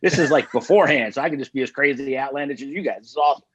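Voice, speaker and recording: A man appearing as a podcast guest, talking about his team with excited, fan-style enthusiasm. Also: medium pitch, very fast, breathy edge. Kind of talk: casual podcast banter.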